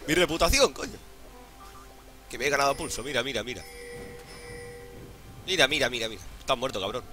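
Speaking fast in a pushed, bright, medium-pitched voice over faint background music, a gaming YouTuber with a Spain Spanish accent narrates gameplay while hungover. His commentary is casual and jokey, packed with crude, profane slang.

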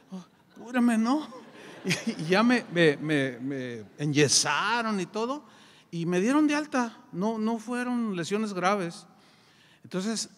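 A man with a Mexican accent preaching a sermon, telling a story with lively acted-out dialogue. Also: a little high. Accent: Mexican Spanish. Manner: animated storyteller, acts out dialogue. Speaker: pastor. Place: church sanctuary. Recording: long church hall reverb.

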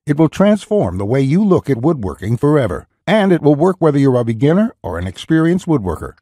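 A man reading a scripted, pushy sales pitch as a voice-over. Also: sing-song, a little fast, warm tone, dry recording, clean studio sound. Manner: pushy, urgent salesman delivery.

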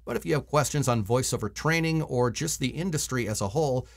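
A voice-over coach and voice actor in his forties records a casual instructional vlog to camera, seemingly from a desk in a small room at home. His medium-pitched voice is brisk and creaky, and he explains things conversationally, repeating key points to stress them.

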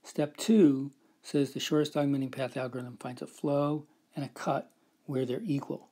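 Male lecturer, slightly husky, patient step-by-step explainer of a proof, recorded whiteboard lesson. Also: mid-range voice, fairly even intonation, normal speed, dark tone. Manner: explains step by step, often adds "right?" and "so".

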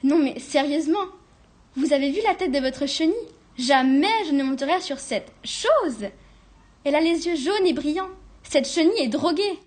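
Little Red Riding Hood, read by a student, a prim scolding young girl, high voice. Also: lively intonation, normal speed, darkish tone. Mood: indignant. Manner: indignant, scolding. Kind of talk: school class reading a storybook.

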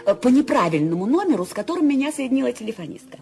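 A nervous, shrill bedridden lady. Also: sing-song, rapid-fire, vocal fry, a little mellow, soft background music. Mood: anxious. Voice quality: shrill, imperious and fretful. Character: nervous bedridden wealthy woman, irritable and demanding. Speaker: Mrs. Stevenson. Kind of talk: Soviet-era radio play acting.

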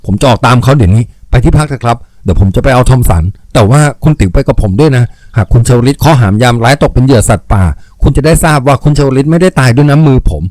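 A man reading aloud, voicing a lovelorn young male bandit chief in a low, earnest, tender tone. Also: animated, fast talker, hardly any pauses, a little mellow, dry recording, natural voice.

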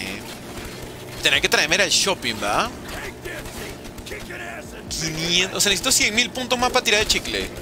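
A young man chatting jokily with his stream chat while playing, with sudden animated outbursts. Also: mid-range voice, background noise. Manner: jokey, reads and answers chat, animated outbursts. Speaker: gaming streamer.

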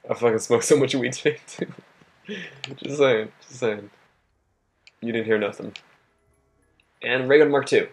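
A young man with a husky, worn voice that he is losing, giving casual gameplay commentary, swearing and talking to himself. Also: mid-range voice, measured pace, long pauses, faint music behind. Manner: swears a lot, laughs often, talks to himself. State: losing his voice. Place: home at night.

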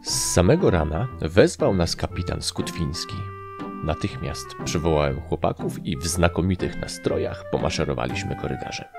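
A man reading a story as an audiobook narrator in an expressive, scripted style. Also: extremely low pitch, moderate pace, music in the background.

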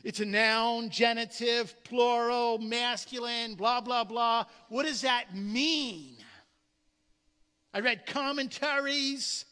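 A man's voice: very high-pitched, steady tone, takes it slowly, sharp tone, clear, resonant tone, big-room sound. A male pastor giving a conversational sermon, often repeating words and acting out quoted voices. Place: church sanctuary.

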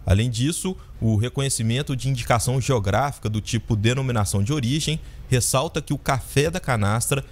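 Male co-presenter, thirties, formal measured studio read, mid pitch. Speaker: radio news presenter. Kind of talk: read news report. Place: radio studio. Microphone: studio mic on a boom.

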